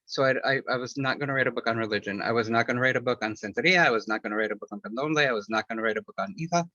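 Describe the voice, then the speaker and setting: A man's voice: medium pitch, rapid-fire, bright, forceful tone, no echo. A man answering an interview question in a loose, rambling way, with many fillers and restarts, speaking candidly about personal matters. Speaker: author and interview guest. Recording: dull lo-fi, dry sound.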